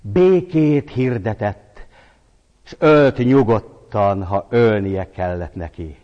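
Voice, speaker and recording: A man in his forties giving a measured, solemn poetry recitation. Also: lowish voice, dark tone. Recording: dull lo-fi recording with long reverb.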